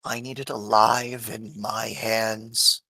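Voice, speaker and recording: An ancient, menacing tree woman guards her ground in a tabletop fantasy game, played by a man. This talking tree speaks very slowly and solemnly, in a slightly muffled, dry voice. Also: lowish voice, little pitch movement, gravelly, sharp tone, no room sound, full character voice. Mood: cold, demanding. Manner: slow, menacing talking-tree delivery with archaic solemn phrasing.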